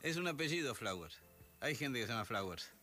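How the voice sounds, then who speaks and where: Middle-aged male co-host, Rioplatense accent, easygoing and wry, bright voice. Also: mid-range voice, big pitch swings, brisk, soft background music. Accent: Rioplatense Spanish. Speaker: radio co-host. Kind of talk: casual radio chat.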